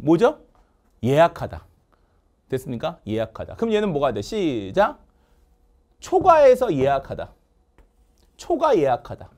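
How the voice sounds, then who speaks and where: A man teaching English vocabulary in a lively lecture, drilling words call-and-response and joking with his producer. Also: on the high side. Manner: call-and-response drilling, asks "됐습니까?" often; jokes with the producer off camera.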